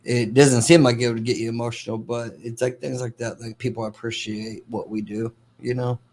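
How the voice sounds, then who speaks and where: A man's voice: mid-range voice, little pitch movement, moderate pace. A man hosting a casual live-stream Q&A about business credit, speaking plainly with many fillers. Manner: soft-spoken and plain, with frequent fillers like "uh" and "you know". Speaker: host giving business credit advice.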